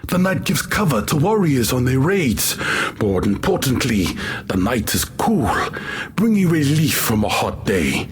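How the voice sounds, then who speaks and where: A man playing a genial armored tribal warrior who tells old tales theatrically in a husky voice, as game lore. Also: medium pitch, very animated, measured pace, heavily acted. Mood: calm, wry. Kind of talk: scripted in-character lore narration.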